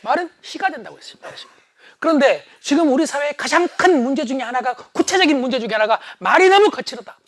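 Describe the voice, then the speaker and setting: High-voiced, animated lecturing man. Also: fast talker, no echo. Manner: animated, shouting for emphasis. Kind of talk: humorous leadership lecture.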